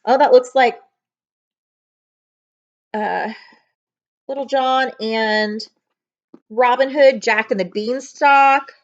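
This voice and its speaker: A middle-aged woman reading a children's picture book aloud with expressive, dramatic storytelling and chatty asides. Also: on the high side, slow pace, long pauses, highs cut off. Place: living room couch, indoors.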